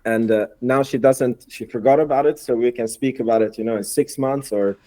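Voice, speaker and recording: Mellow-voiced man from Hungary, chatty. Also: mid-range voice, steady tone, brisk. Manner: chatty, repeats words, slightly non-native phrasing. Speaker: guest, investor and YouTuber. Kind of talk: casual podcast conversation.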